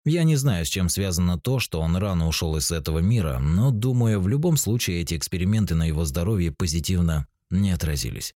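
A man in his forties calmly explaining spiritual ideas, speaking straight to the listener as narrator of a self-help book. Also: deep voice, brisk, few pauses, dry recording, studio quality. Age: 40s. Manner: calm, explanatory, addresses the listener directly.

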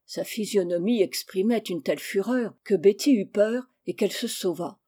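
A woman reading a classic novel aloud as an audiobook narrator, expressive and giving each character a voice. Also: mid-range voice, normal speed, slightly rough.

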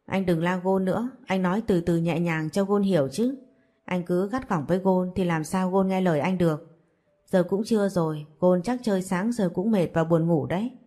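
A warm-hearted young woman, read by a woman narrator. She speaks gently and coaxingly in a low, mellow voice. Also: moderate pace, close to an everyday voice. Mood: caring. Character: kind, caring young woman.

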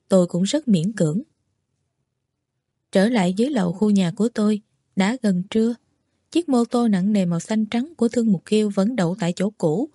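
A woman narrates a novel in the first person at an even, measured pace. Her voice is mellow and warm. The recording is close and dry. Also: medium pitch, dry recording. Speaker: audiobook reader.

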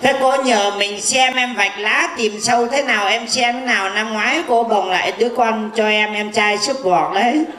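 A man's voice: high-pitched, moderate pace, few pauses, sharp tone. A man playing a boastful, teasing blind fortune teller in a stage comedy skit. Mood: grumbling. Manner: bragging, teasing, insulting banter. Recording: echoey live stage with audience.

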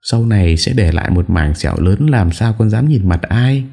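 A man's voice: a bass voice, animated, a little slow, gravelly, mellow, full character voice. A man voicing a scheming young wife who whines through sobs in a storybook reading. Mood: tearful whining. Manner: whiny, sobbing complaint.

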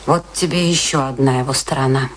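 A bitter, proud wife, noisy recording. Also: female voice, extremely low pitch, fairly even intonation, fairly quick. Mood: cold, vengeful. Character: bitter, proud, vengeful wife, a former actress. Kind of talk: Russian radio play acting. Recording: noisy old radio drama recording with clicks.

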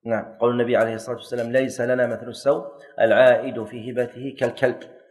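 A man's voice: mid-range voice, level tone, very fast, darkish tone. A man teaching a classroom lesson, quizzing and correcting students and joking lightly. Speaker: teacher of Islamic jurisprudence.

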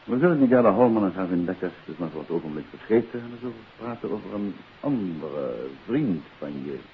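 A composed, probing detective in a vintage radio play. His low voice moves expressively as he presses his questions in measured phrases. The old recording is narrow and phone-like, with slight hiss. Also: expressive. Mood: firm, insistent. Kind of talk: 1950s Dutch radio drama acting.

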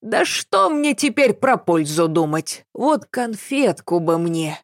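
A woman's voice: mid-range voice, sing-song, slow, dry recording, studio quality. A woman doing a plaintive old lady with dementia.

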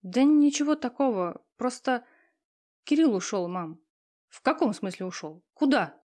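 A woman voicing a hurt, tearful young woman who answers slowly and stubbornly. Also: a little high, animated, a little mellow, pitched above the performer's own voice. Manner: slow, subdued, stubborn replies. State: tearful, sniffling.

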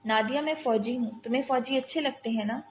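A woman voicing a calm, commanding young male army captain who steadily coaxes a frightened child, on dull lo-fi audio. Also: fairly high pitch, slight background noise, natural voice. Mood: coaxing. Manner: steady, coaxing, talks a frightened child through danger.

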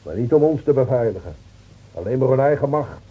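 A man's voice: medium pitch, animated, fairly quick, slightly rough. An actor playing a bitter, sardonic village man in a Dutch radio drama, grumbling with weighty sarcasm. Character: bitter, sardonic village man at a rural Spanish police post. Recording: muffled, noisy old radio recording.

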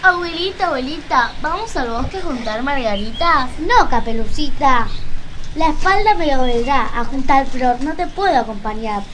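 A woman's voice: high voice, animated, normal speed, fairly bright tone, slight background noise. A woman voicing Little Red Riding Hood and her timid grandmother in rhymed, repetitive storybook lines for a children's radio play. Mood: playful.

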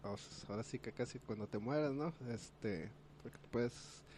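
A man's voice: mid-range voice, normal speed, darkish tone, slight background noise. A man, co-hosting a casual radio talk show, easygoing and joking.

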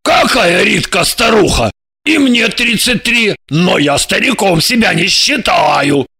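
A man's voice: high-pitched, big pitch swings, slow pace, exaggerated voice. A man voicing a blunt, impatient male spy handler in his thirties, reading an audiobook. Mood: irritated. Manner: blunt, impatient, gravelly and shouting.

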